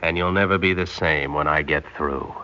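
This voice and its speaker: A man's voice: a bass voice, fairly even intonation, moderate pace, loud music behind the voice. An actor playing a cocky young male spy posing as an American, talking in a brash, slangy, wisecracking way, in a 1960s radio drama. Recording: dull lo-fi old radio recording.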